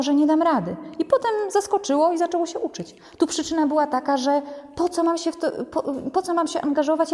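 A woman giving a conversational lecture on raising children, often tagging sentences with a checking question and acting out little quoted lines. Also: fairly high pitch. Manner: conversational, ends many sentences with a checking "nie?"; animated, acts out quotes. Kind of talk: lecture to a group. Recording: long reverb of a hall.

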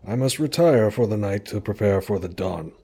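A man voicing a frail, kindly old uncle who speaks slowly and solemnly. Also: lowish voice, expressive, warm tone, slightly rough. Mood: grave.

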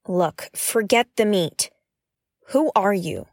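A woman's voice: medium pitch, expressive, takes it slowly, dry recording, clean studio sound. A woman playing a blunt, suspicious space explorer in a science-fiction audio drama, with an exasperated, sarcastic and emphatic delivery.

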